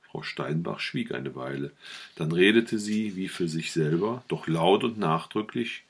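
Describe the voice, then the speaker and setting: A man reading a novel aloud as an audiobook, narrating calmly. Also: low voice, a little slow, vocal fry, breathy edge. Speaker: audiobook reader.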